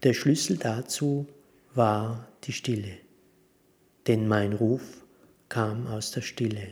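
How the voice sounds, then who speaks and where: Very slow, somewhat breathy speech from a man at a medium pitch, with fairly even intonation and long, frequent pauses. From Austria, Tyrol. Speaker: monk. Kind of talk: scripted narration. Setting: monastery.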